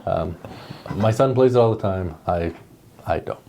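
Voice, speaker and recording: A man's voice: deep voice, measured pace, vocal fry, dark tone, a little hiss or hum. A middle-aged man co-hosting a casual chat show, reading viewer comments aloud and laughing often in a playful way.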